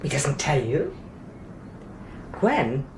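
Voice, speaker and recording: An actress playing a curious, persistent, genteel mistress of a house in a radio drama, questioning and dramatic in manner. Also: female voice, extremely low pitch, huge pitch swings, drawn-out words, a little hiss or hum, exaggerated voice. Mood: insistent, curious.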